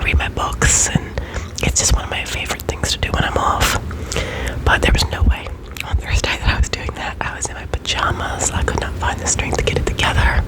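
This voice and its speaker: A middle-aged American woman whispering a chatty, rambling ASMR monologue very close to the microphone in a room at home. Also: rough recording. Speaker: ASMR video creator. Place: small room at home, indoors. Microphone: USB condenser microphone held close to the mouth.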